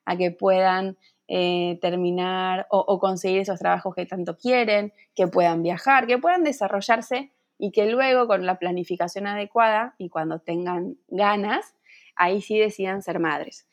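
Here a gynecologist and entrepreneur from Santa Fe, Argentina, speaks as an interview guest in a mid-range voice at a moderate pace. With her Argentine accent, she gives earnest, lengthy answers, restarting herself a little along the way.

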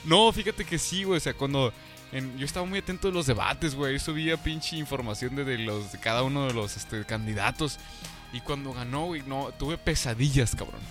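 A young man with a Mexican accent co-hosting a casual podcast chat, talking in slangy, animated bursts. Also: medium pitch, fairly quick, music in the background. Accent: Mexican Spanish. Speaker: podcast co-host.

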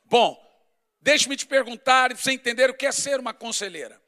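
A middle-aged man preaches a sermon in a very high, bright and forceful voice. He tells stories with humor and swings between loud bursts and hushed asides. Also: lively intonation, a little fast. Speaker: pastor.

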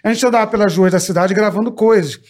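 Comedian guest, male, high voice, fast, punchy and profane in telling a story. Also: a little mellow. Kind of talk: casual podcast storytelling.

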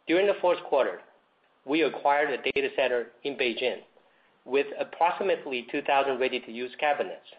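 A man in the role of a company executive, reading a scripted earnings presentation in a formal, measured way. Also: mid-range voice. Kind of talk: scripted earnings call presentation, read aloud. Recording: dull lo-fi conference call audio.

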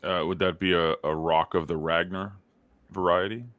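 Man, podcast co-host, casual chat, forceful bright tone, very dry recording. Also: low-pitched, fairly even intonation, moderate pace, dry recording.

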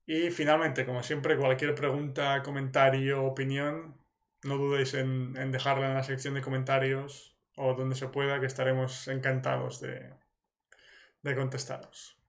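Flat-toned male podcast host. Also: medium pitch, normal speed. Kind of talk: podcast interview.

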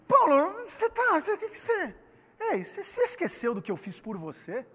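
A man's voice: very high voice, huge pitch swings, brisk, fairly bright tone, pitched above the performer's own voice, heavily acted. A man preaching voices an encouraging mentor figure, reassuring and pleading in a sermon retelling. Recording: long hall reverb.

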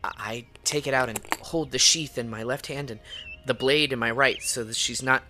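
A woman's voice: very deep voice, moderate pace, music in the background. A woman playing a prim, earnest and awkward teenage Boy Scout in a tabletop audio drama, formal and stammering. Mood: nervous pride.

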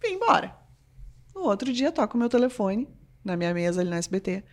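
A woman's voice: medium pitch, fairly quick. A woman from southern Brazil with a Rio Grande do Sul accent, a sports reporter telling stories in a casual podcast interview and acting out the voices of the people she quotes. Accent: Rio Grande do Sul Portuguese. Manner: animated storyteller, acts out quoted voices.

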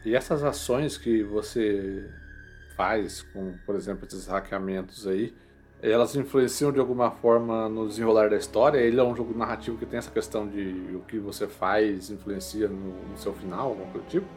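A man's voice: on the low side, fairly even intonation, moderate pace, a little mellow, faint music behind. A man with a Brazilian Portuguese accent co-hosting a podcast, chatting casually with questions and comments. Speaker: podcast co-host.

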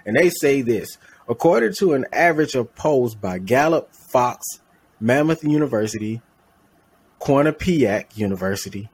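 A man's voice: mid-range voice, lively intonation, moderate pace, slightly rough. A man co-hosting a podcast in casual chat, rambling and correcting his own slips with a laugh. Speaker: podcast co-host.

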